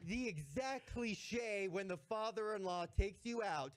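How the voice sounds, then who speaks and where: A man in casual podcast chat, telling a story in a halting, self-deprecating way and laughing at himself. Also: high voice, lively intonation.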